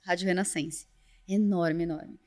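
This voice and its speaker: A woman's voice: lowish voice, fairly even intonation, moderate pace, a little mellow, no echo, studio quality. A young Brazilian woman hosting a podcast, telling stories in a chatty, enthusiastic way. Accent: Brazilian Portuguese. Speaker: podcast host. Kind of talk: casual podcast interview.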